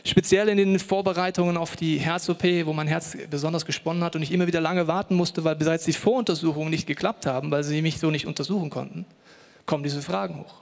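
High-voiced male pastor preaching. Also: steady tone, fast talker, creaky, long reverb tail. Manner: personal, speaking directly to the listener, dramatic storytelling. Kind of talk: sermon. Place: church hall.

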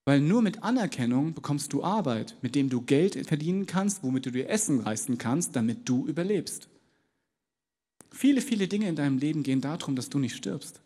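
A man with a somewhat raised pitch gives a sermon in a large church. He speaks conversationally and addresses each listener directly. He slips into little acted-out dialogues to make his points. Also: expressive, moderate pace, dark tone, long reverb tail. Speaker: preacher.

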